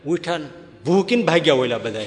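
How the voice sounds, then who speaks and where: A preacher tells a devotional tale in a sermon, his voice sitting a little high for a man. He narrates with lively storytelling energy and frequent chuckles. His voice rings with a long hall reverb. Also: normal speed, noisy background. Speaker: religious preacher.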